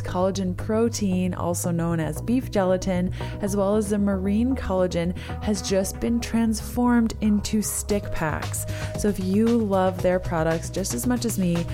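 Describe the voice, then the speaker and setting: A young adult woman with a hoarse, strained voice, hosting a solo podcast in an upbeat, enthusiastic way. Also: mid-range voice. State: hoarse, lost her voice. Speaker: podcast host. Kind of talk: solo podcast chat with sponsor reads.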